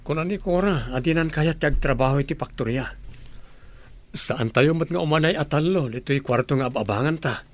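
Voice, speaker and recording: A friendly young groom in a radio drama, voiced by a man. He talks plainly about practical plans, his voice sitting a little high. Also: brisk, close to an everyday voice. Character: young groom Dennis, easygoing.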